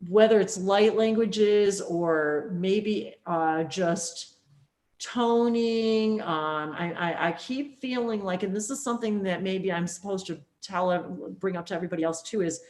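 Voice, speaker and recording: A woman hosting a spiritual interview, talking in a rambling, animated way with plenty of fillers. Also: medium pitch, unhurried. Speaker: host. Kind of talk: casual spiritual interview chat.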